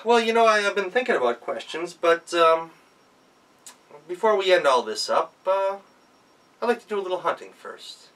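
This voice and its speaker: Folktale simpleton huntsman, acted by a man: hesitant, stammering, stalling, pitched up and animated. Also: distant mic, low-quality recording. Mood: nervous stalling. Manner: halting, stammering, full of hesitations. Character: foolish, hesitant young husband, a huntsman, stalling.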